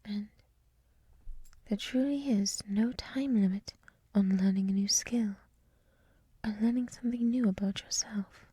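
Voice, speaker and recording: Slow, breathy whispering gentle monster woman played by an actress. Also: medium pitch, no echo. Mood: soothing, reflective. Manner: slow, soothing, reflective, encouraging. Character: gentle, wise monster woman with many eyes, hotel resident. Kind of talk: whispered ASMR roleplay. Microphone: close mic, dry.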